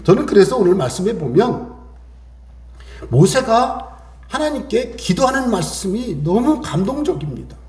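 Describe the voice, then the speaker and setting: A man's voice: high voice, big pitch swings, moderate pace, reverberant. A man preaching a Sunday sermon, acting out prayers and dialogue. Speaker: pastor.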